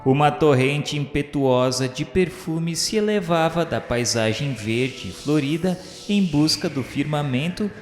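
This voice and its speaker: A man's mid-pitched voice echoes through a long reverb over faint music. He narrates very slowly in a Brazilian accent, solemn and grandiloquent, as in a scripted radio drama. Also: expressive. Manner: grandiloquent, measured.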